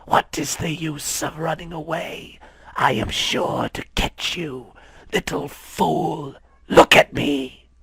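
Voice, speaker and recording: A man hissing as a raspy vengeful female cobra. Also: fairly high pitch, sharp tone, dry recording, voice pushed up, heavily acted. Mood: taunting. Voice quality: raspy, gravelly. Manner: hissing, drawn-out whisper. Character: menacing female king cobra, vengeful mother. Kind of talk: storybook reading.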